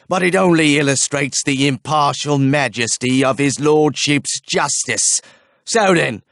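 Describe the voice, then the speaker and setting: A man's voice: medium pitch, vocal fry, fairly bright tone, no room sound, clean studio sound. A man voicing a pompous, mocking chief archer who gives commands with cold, sneering relish.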